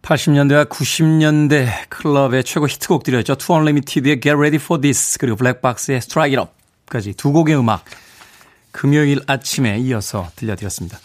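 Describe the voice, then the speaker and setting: A man's voice: mid-range voice, moderate pace. A man hosting a morning radio show in a studio, chatty and chuckling as he reads out listener texts. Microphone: studio microphone.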